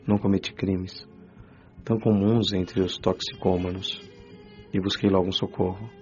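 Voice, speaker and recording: An actor with a Brazilian Portuguese accent playing a young man's spirit, a former cocaine addict, telling his story in a low, subdued, confessional way. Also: darkish tone, lightly acted. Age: young adult. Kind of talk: radio drama first-person account. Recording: dull lo-fi audio with faint music.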